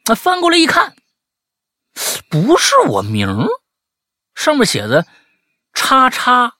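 A man hosting a chat show, reading listener letters aloud and teasing them with animated, mock-indignant commentary. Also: extremely high pitch, takes it slowly, dry recording, studio quality. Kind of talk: comic commentary on listener stories.

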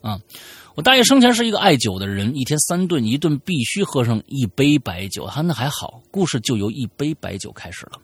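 Gravelly, animated male storyteller. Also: medium pitch, brisk, dry recording. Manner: animated, chatty, frequent stammering repeats. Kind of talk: storytelling podcast narration.

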